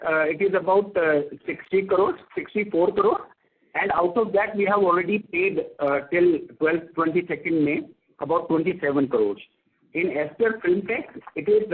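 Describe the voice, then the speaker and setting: A man with an Indian accent answering analyst questions as a finance executive on an earnings call, reciting figures haltingly over the phone. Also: high voice, breathy edge. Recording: tinny narrowband conference phone line.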